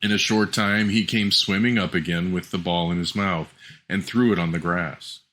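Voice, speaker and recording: Bright, low-pitched male storyteller. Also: steady tone, moderate pace. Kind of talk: scripted fairy tale narration.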